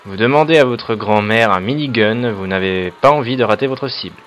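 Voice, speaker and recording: Male let's play host, lowish voice, casual and hesitant, reads options aloud, joking asides. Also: brisk, fairly bright tone. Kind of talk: casual gameplay commentary.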